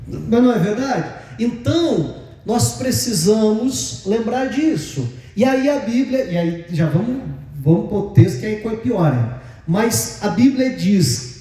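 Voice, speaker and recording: Man, Brazilian accent, pastor, animated sermon, roomy church echo. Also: high voice. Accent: Brazilian Portuguese. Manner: lively storytelling, acts out quoted voices. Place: church hall. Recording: echoey church hall, distant mic.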